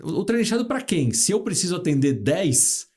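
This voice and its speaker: Man, interview host, encouraging, fairly high pitch, warm tone. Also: big pitch swings. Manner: enthusiastic, quick to affirm. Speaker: podcast host. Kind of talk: interview hosting.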